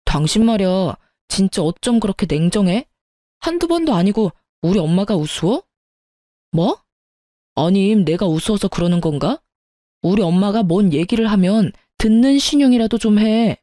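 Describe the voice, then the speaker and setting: A peevish husband who always takes his mother's side, read by a woman narrator in a soft, mellow voice. The delivery is accusing and irritated. It is recorded close and dry, without room echo. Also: mid-range voice, lively intonation, moderate pace, close to an everyday voice. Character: sulky husband siding with his mother, defensive. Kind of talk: storytelling radio.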